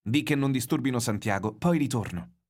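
A man's voice: medium pitch, fairly quick, darkish tone, voice pushed up, close to an everyday voice. A man voicing a devoted young fisherman's boy in a read-aloud novel, lifting his voice to sound earnest.

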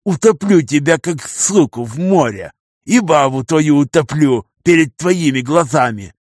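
A man voicing an arrogant, cruel man of about forty in an audiobook, making slow, loud threats. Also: fairly high pitch, animated, dry recording, studio quality, voice pushed up. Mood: sneering threat. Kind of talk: audiobook character reading.

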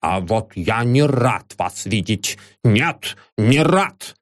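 A man voicing a gruff, grey-haired old professor who lectures with indignation. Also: fairly low pitch, expressive, slow. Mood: indignant.

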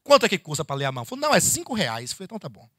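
A man's voice: high-pitched, very fast, no room sound, studio quality. A man from Brazil, a bishop teaching a church Bible study to his congregation in a conversational sermon, firing off rhetorical questions and calling his listeners "dear ones". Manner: animated, rhetorical questions, addresses listeners as "queridos". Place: church meeting hall.

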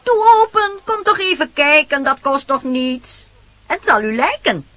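A woman's voice: sits high, big pitch swings, measured pace, a bit bright, dry recording, heavily acted. An actress in a Dutch radio play voicing a scheming peddler woman who coaxes and wheedles insistently. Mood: wheedling. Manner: wheedling, insistent sales patter. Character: disguised scheming peddler woman, coaxing and sly. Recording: dull noisy old radio recording.

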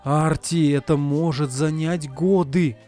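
A young man narrating an audiobook in first person, voicing his own lines in expressive dialogue. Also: a little high, takes it slowly, faint music behind. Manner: expressive, moving from quiet narration to heated outbursts.

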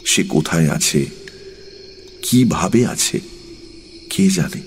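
Slow, deep-voiced male narrator. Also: animated, faint music behind. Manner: measured, unhurried storytelling. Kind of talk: audiobook narration.

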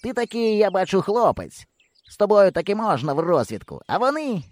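Man doing a high, lively boy voice, excitable and boastful, dry close sound. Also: fairly quick, dry recording. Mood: persuasive. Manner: eager, exclaiming, sarcastic. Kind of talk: audiobook reading.

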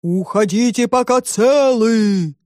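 A woman voicing a dull-witted forest monster that drags out short, muffled commands in a slow monotone. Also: on the high side, dry recording, studio quality, voice pushed up. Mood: menacing. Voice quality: muffled, drawn-out.

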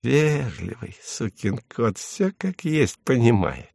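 A man voicing a timid, tender-hearted male commandant who speaks softly and hesitantly. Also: mid-range voice, big pitch swings, slow, creaky, dry recording, clean studio sound, exaggerated voice. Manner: soft and hesitant.

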